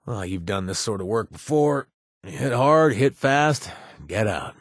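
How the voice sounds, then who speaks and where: A man's voice: mid-range voice, lively intonation, a little slow, dry recording. An actor playing a playful, flirtatious male companion in a video game, recorded dry in a studio. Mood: teasing.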